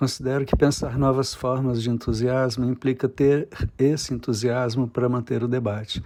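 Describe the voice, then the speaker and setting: At a moderate pace, a man speaks in a medium pitch with a dark, mellow tone, somewhat breathy and with fairly even intonation. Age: 60s. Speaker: photographer and university professor. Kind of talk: reading aloud.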